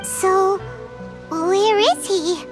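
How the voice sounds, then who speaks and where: An actress voicing a small, chirpy, excitable companion creature in a game, with a squeaky, exclaiming delivery. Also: female voice, extremely slow, heavily acted. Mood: eager. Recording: game audio with loud music.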